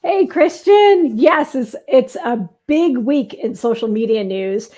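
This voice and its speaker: A woman's voice: high-pitched, darkish tone. A woman co-hosting an online talk show, introducing the guest with enthusiasm. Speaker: co-host.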